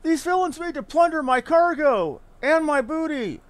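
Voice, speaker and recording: A pompous captive from a fantasy game, acted by a man, pitched very high and shrill. The cries for rescue are loud, theatrical and full of panic. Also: lively intonation, normal speed. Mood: panicked.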